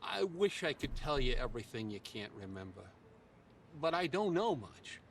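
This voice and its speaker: A man's voice: medium pitch, sing-song, moderate pace, recorded from a distance, a little hiss or hum. An actor playing a kindly, plainspoken older working-class man in a video game, sentimental and hesitant, with folksy, ungrammatical phrasing. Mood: regretful. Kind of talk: video game dialogue acting.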